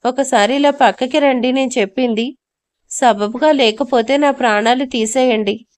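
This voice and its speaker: A frightened, timid villager, as a woman storyteller puts him on, begging to be heard and anxious to avoid trouble. The voice sits a little high. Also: normal speed, natural voice. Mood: pleading. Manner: pleading, anxious.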